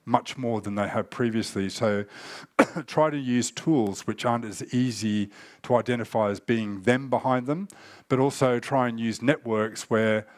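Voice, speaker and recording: A man who is getting over a cold, giving a conference talk with many pauses and fillers. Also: medium pitch, no echo, clean studio sound. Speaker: cybersecurity speaker.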